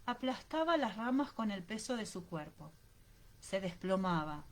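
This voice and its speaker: A woman reading an audiobook aloud in a steady, dramatic narrating manner. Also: medium pitch, a little slow. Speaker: audiobook reader.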